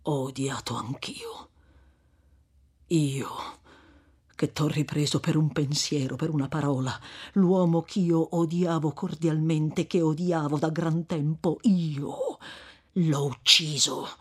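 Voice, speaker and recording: A severe, fervent old friar from a classic novel read aloud, played by a woman reader, speaking low with a husky, breathy edge. He draws his words out slowly and heavily, scolding hard one moment and dropping to a grave hush the next. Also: fairly even intonation, exaggerated voice. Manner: stern scolding, rising to cries, then slow and hushed.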